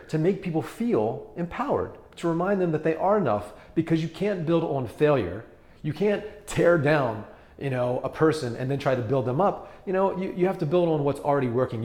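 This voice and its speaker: A man's voice: mid-range voice, a little mellow. Earnest male coach in an echoey room. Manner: earnest, instructive, repeats words as he thinks. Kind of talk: talking-to-camera teaching video. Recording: roomy echo.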